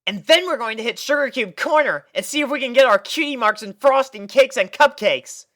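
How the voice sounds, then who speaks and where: A woman's voice: a little high, animated, brisk, a bit bright, pitched above the performer's own voice. A woman voicing a brash, impatient tomboy filly, a child with a blunt, pushy way of talking. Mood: eager.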